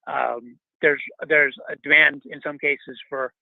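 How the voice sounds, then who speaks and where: Creaky-voiced male analyst on the phone. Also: fairly high pitch, steady tone, unhurried, no room sound. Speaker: financial analyst asking a question. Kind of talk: earnings call question. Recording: dry narrow phone line.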